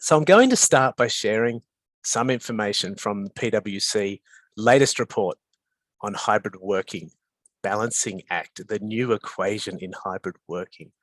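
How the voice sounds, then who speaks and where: A man with a fairly low pitch speaks in an ordinary speaking voice at a moderate pace. His pitch varies in an ordinary way, and the sound is dry and close with no echo. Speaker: webinar facilitator. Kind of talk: online training webinar.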